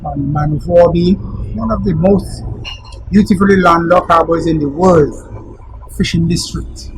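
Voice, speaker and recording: A Tobagonian man in his eighties with a somewhat high voice. He speaks clearly and proudly about his home. There is clear background noise behind him. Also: unhurried, rough recording. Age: 80s. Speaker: interviewee. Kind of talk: recorded interview.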